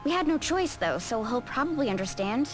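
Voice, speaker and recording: A woman's voice: fairly high pitch, very animated, fairly quick. A woman voicing a resolute, friendly young warrior leader in a video game. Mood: upbeat, sheepish. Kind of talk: English video game voice acting. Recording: game music behind. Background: game music.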